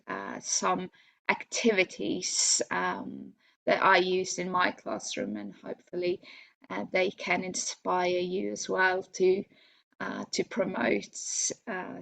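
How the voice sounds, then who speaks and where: Lady teacher giving a talk in english, kinda slow n halting, bit of gravel in her voice. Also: mid-range voice, a bit bright. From Norway. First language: Norwegian. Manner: halting, repeats words as she explains. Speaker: English teacher presenting at a conference. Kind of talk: conference presentation, semi-spontaneous.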